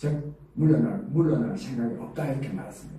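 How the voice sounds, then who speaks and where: With faint music in the background and audible room echo, a man speaks in a fairly high pitch with very wide pitch swings. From South Korea. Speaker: political commentator. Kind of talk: political commentary monologue. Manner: animated. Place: studio.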